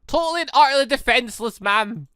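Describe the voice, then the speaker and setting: A man's voice: extremely high pitch, expressive, quick pace, sharp tone, clean tone, no room sound, clean studio sound, voice pushed up, heavily acted. A man voicing a cheeky, harmless young man, the flippant and wry hero of a visual novel. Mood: cheeky, polite.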